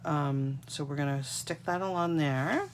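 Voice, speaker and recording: In a low voice that moves a little slowly, a Canadian woman talks to viewers as she makes cards in a casual live craft tutorial, congested and catching a cold. There is a little hiss or hum, and the overhead camera on her desk shows only her hands.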